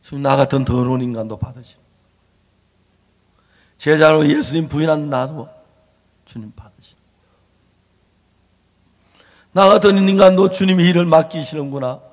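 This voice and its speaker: A male pastor preaching an impassioned sermon, emphatic and repetitive, swinging from loud to hushed. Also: a little high, fairly quick, pauses often. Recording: long hall reverb.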